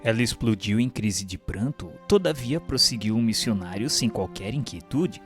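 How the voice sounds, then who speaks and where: A man narrating a radio serial in scripted literary first person, with formal, measured delivery. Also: on the low side, lively intonation, close to an everyday voice. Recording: music bed behind the voice.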